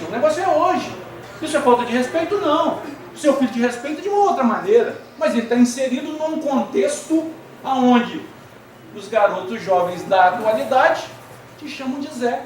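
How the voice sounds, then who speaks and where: A man with a Brazilian Portuguese accent giving a talk at a spiritist center, speaking conversationally, asking the audience questions and telling humorous anecdotes. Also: very high-pitched. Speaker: spiritist lecturer. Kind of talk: lecture to an audience. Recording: echoey hall, distant mic, faint noise.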